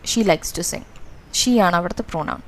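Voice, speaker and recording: A woman's voice: fairly low pitch, animated, slow pace, gravelly. A woman with a Malayali accent coaching students through exam revision, explaining in a mix of Malayalam and English with many fillers. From Kerala, India.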